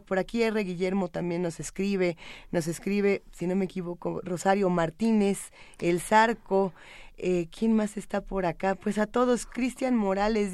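A woman's voice: medium pitch, darkish tone, clean tone, dry recording, studio quality. A woman hosting a live radio show, chatting and reading out listeners' messages. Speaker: radio host.

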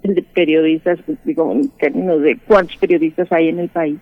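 A woman journalist and former teacher with a Mexican Spanish accent answers questions in a radio interview, often halting to search for words and restarting many times. Her voice is low with fairly even intonation, and the dry recording has a tinny, phone-line quality.

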